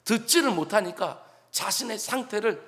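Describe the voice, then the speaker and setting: A man's voice: high-pitched, animated, moderate pace, a bit bright, big-room sound. A man, a pastor, giving an earnest and emphatic early-morning sermon.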